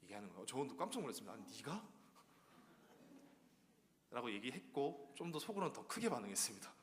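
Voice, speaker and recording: A man preaching a sermon in a church, animated and full of rhetorical questions. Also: medium pitch, racing, slight background noise. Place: church sanctuary. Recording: long church-hall reverb.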